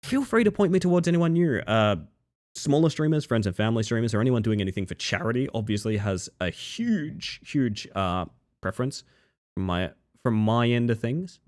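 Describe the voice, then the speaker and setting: Sleepy male streamer with lively pitch. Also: normal speed. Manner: friendly, rambling, thanks viewers. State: sleepy, crackly voice. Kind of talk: casual stream sign-off chat.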